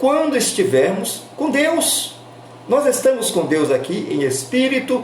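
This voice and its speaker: Very slowly, a man speaks at an extremely high pitch with very wide pitch swings, amid noticeable background noise and audible room echo. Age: 60s. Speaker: pastor. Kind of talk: sermon. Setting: home worship broadcast.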